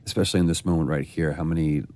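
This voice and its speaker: A man's voice: extremely low pitch, steady tone, rapid-fire, darkish tone. A man giving casual commentary on a game scene, admiring and enthusiastic about the performances.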